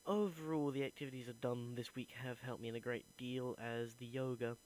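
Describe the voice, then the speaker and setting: A man's voice: mid-range voice, fairly even intonation, fairly quick, a little mellow, low-quality recording. A young man, an acting student, earnestly recording a reflective voice diary and thinking aloud as he goes.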